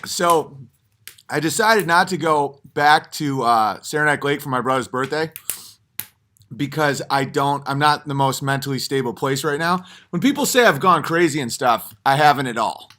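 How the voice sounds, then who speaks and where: Bright-voiced man rambling through stories. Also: on the high side, moderate pace. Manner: digressive storytelling with frequent fillers and restarts; animated, jumps into mock voices for punchlines. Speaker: comedian hosting his own stream. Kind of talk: rambling off-the-cuff monologue.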